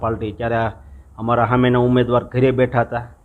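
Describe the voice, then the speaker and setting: Here a man speaks. His pitch is medium. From Saurashtra, Gujarat (Bhavnagar/Amreli). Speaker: politician, election candidate. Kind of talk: interview.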